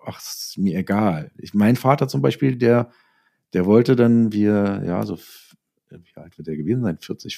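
Male author guest, middle-aged. Low and dark, relaxed timbre, reflective casual talk. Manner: reflective, explains through self-quotes. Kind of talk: casual conversational interview talk.

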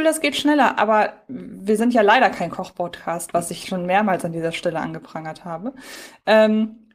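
Female podcast co-host, medium-pitched, casual review chat, wordy and reflective with digressions.

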